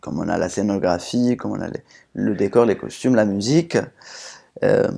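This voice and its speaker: Lively intonation and vocal fry from a man with a fairly low pitch, on a very clean recording with a silent background. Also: moderate pace. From Algeria (Oran). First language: Darija (North African Arabic) (speaking French). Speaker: actor and theatre maker. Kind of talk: interview. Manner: halting, many repetitions.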